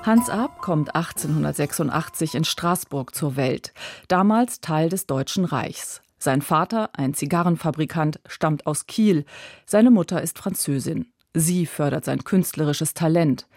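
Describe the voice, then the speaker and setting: Female narrator, low register, dry studio read, clipped delivery. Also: expressive, a little slow, a little mellow, no echo. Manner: crisp, clipped storytelling. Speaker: radio feature author and narrator. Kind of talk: scripted radio narration.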